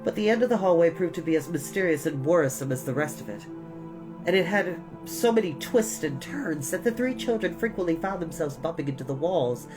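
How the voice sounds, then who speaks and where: A man hosting a storytime, speaking in a reassuring, expressive manner as he reads and chats. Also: a little high, a little fast, rough recording. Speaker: storytime host and reader. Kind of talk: audiobook-style storybook reading with chatty intro. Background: music.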